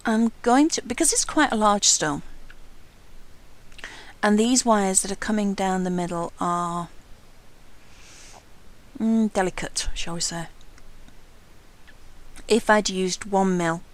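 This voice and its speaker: A woman, calmly talking through a hands-on wire jewelry tutorial as she works. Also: medium pitch, slow pace, long pauses, rough recording. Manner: calm, careful, talks while working with hands. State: has hiccups. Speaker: jewelry-making instructor. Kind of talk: hands-on craft tutorial narration.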